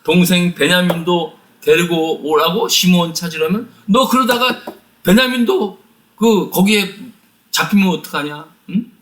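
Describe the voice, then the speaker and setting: Brief: male teacher playing old father, scolding and anguished, raised pitch, bright forceful tone. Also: big pitch swings, fairly quick, roomy sound, full character voice. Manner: scolding, exclaiming, repeated "eh?".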